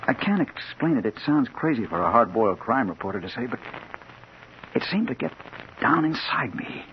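Crime reporter, lively pitch, faint hiss, dull radio sound. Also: male voice. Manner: tense, hard-boiled narration. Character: hard-boiled male crime reporter narrating. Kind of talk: 1940s radio acting. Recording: dull old radio broadcast.

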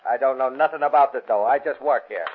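Male actor: stonewalling 1930s American bartender, gruff, medium pitch. Phone-thin vintage broadcast sound. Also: quick pace, narrow, tinny audio, close to an everyday voice. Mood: evasive. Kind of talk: 1930s radio crime drama acting. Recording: thin, hissy old radio recording.

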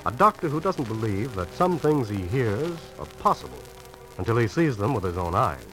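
Casting: spooky 1940s radio horror narrator, ominous and animated, vintage recording with strong music underneath. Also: male voice, medium pitch, moderate pace, rough recording. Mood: ominous, theatrical. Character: spooky playhouse host introducing tales of the supernatural. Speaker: host of a mystery radio show.

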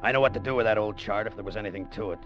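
An actor playing a brash, fast-talking gambler who narrates and pushes his way onto a treasure hunt, in 1940s radio acting, on a dull old broadcast recording with music behind. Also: lowish voice, close to an everyday voice. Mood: wry. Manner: fast-talking, cocky, pushy. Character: brash gambler turned sailor, tough streetwise man. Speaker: narrator and lead.

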